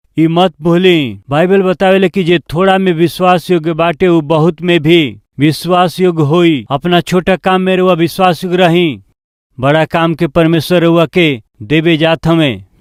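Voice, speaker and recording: High in pitch, a man speaks with fairly even intonation. His loudness stays very even. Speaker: pastor, preacher. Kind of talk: sermon preached to a congregation.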